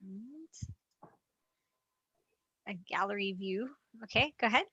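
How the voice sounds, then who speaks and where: A woman hosting an online webinar over a video call, introducing a guest and talking with many small filler pauses. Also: medium pitch, animated, pushed and bright, breathy edge, no echo, highs cut off. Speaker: host.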